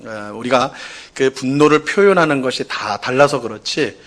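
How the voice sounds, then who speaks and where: A man's voice: mid-range voice, moderate pace, a bit bright. A male pastor giving a Sunday sermon in a conversational style, full of fillers and rhetorical questions, who acts out quoted complaints in a raised, pleading voice. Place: church sanctuary.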